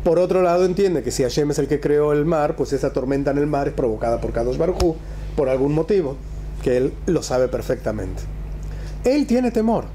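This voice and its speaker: A man's voice: fairly high pitch, animated, fairly quick, mellow, a little hiss or hum. A man, a rabbi teaching a religious text in a conversational way, with rhetorical questions and emphatic repetition. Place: small classroom, indoors.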